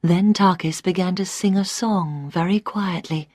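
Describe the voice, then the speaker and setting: A woman reading a story aloud for English learners, clear and deliberate. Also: lowish voice, darkish tone, dry recording, studio quality. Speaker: narrator.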